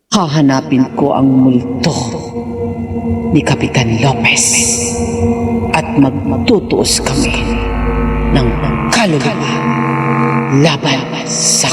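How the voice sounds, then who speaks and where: An actor playing a sinister black magic sorcerer, husky and gravelly, delivering a deliberate radio drama monologue. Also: male voice, mid-range voice, over loud music, close to an everyday voice. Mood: ominous, focused.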